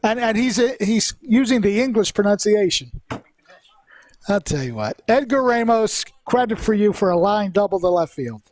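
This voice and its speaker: A man with a notably high-pitched voice works as a play-by-play baseball commentator. He calls the action live in a conversational way, adding his own asides. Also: lively intonation, moderate pace, a little mellow, slight background noise.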